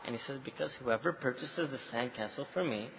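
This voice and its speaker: A man with a South Asian accent preaching to a live audience as an animated storyteller, often checking in with listeners. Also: medium pitch, fast, vocal fry, slight background noise. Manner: animated storyteller, switching languages, with rhetorical check-ins. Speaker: Muslim preacher. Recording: echoey hall, dull muffled sound.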